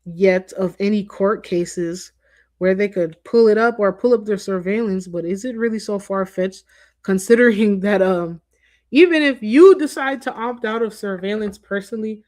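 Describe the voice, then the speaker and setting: A livestream host chats to her viewers in a rambling, conversational way, full of restarts and side comments. Her voice is medium-pitched and darkish, at normal speed.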